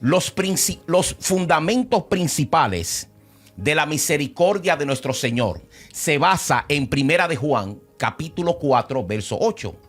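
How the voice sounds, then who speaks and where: Animated Christian program host. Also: male voice, on the high side, measured pace, soft background music. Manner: animated, with frequent exclamations. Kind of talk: program host and Bible teaching.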